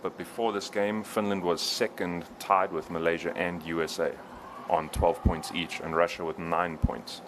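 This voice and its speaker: Deep-voiced male sports commentator. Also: little pitch movement, moderate pace, hardly any pauses, background noise. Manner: analytical, explaining standings. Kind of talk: play-by-play commentary.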